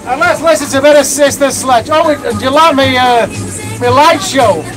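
A man's voice: very high-pitched, moderate pace, a crowd in the background. A man in his forties vlogging live from a sailboat on a river, talking in a rambling, sweary, chatty way into a phone held at arm's length. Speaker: vlog host. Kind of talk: casual live sailing vlog. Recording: wind noise and loud music. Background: boat engine, wind and music.

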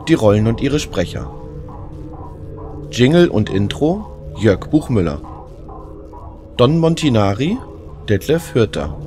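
A man reading scripted end credits for an audio drama as the announcer. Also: lowish voice.

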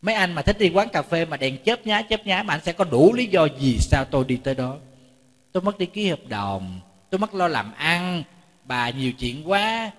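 A man's voice: fairly high pitch, expressive, brisk, a bit bright. A man, a Buddhist monk giving a chatty storytelling sermon, often repeating words and joking with his audience. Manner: jokes with the audience. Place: temple lecture hall. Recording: reverberant hall.

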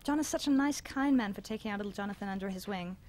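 A woman's voice: medium pitch, fast, darkish tone, natural voice. A woman playing a doting, worried, middle-aged mother in an audio drama, fussing over her children. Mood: exasperated, trusting. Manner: fussing, concerned.

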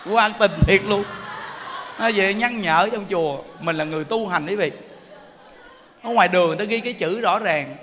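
A man with a Southern Vietnamese accent, a Buddhist monk telling funny stories in a dharma talk, loud exclaims one moment and low asides the next. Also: fairly quick, long pauses, crowd noise. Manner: joking storyteller, swings between loud exclaims and low asides. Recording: echoey hall with faint background noise.

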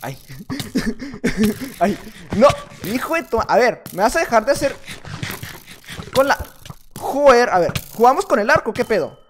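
A young man with a Mexican accent, commenting on his own gameplay in an excitable, chatty way and trash-talking opponents. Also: extremely high pitch, unhurried, long pauses, background noise. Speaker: gaming YouTuber.

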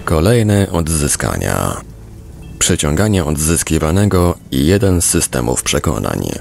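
A man reading book excerpts as scripted narration, in a gravelly voice with a measured storytelling delivery. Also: a bass voice, darkish tone.

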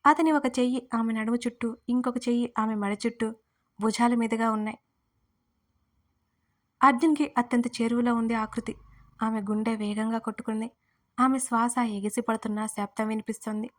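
A woman narrating an audio story in a calm, even storytelling voice. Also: on the high side, moderate pace, long pauses.

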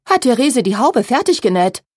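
A woman voicing a strict middle-aged shop owner who is quick to anger, in an audiobook, with a breathy voice. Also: lowish voice, a little mellow, no room sound, studio quality. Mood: stern. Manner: stern, indignant.

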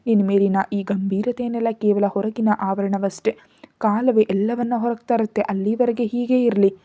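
A caring older brother, as a woman narrator voices him, gentle and consoling. He speaks soothingly in a mellow, soft-toned voice. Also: mid-range voice, fairly even intonation, normal speed, natural voice.

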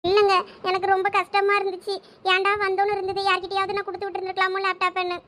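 Very high, bright, quick woman playing a young wife. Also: monotone. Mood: upset. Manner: pleading, emotional. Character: young wife, tearful then shy. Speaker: actor in a village family skit. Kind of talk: village comedy-drama acting.

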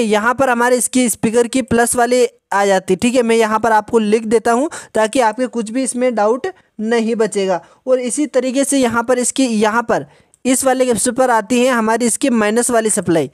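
A man patiently explaining a phone repair step by step in a tutorial voice-over, often pausing to check in with the viewer. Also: very high voice, no room sound, studio quality. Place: voice-over over a drawn circuit diagram.

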